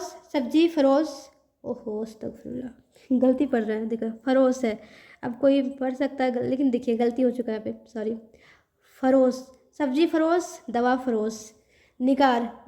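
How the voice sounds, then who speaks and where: A woman's voice: high voice, a little mellow. A woman teaching an online grammar lesson, reading word lists aloud and explaining them in a chatty way with English words mixed in.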